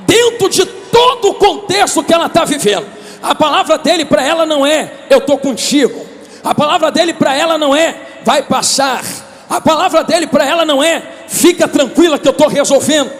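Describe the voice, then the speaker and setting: High-voiced Brazilian preacher in a big hall. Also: male voice, normal speed. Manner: impassioned preaching, often shouting. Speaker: pastor. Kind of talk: conference sermon. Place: large convention hall. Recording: long reverb of a big hall.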